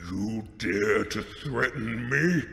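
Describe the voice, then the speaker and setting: Very gravelly, menacing monster. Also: male voice, a bit bright, exaggerated voice. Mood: menacing, enraged. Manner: slow, threatening, booming. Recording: long reverb, noisy eerie ambience.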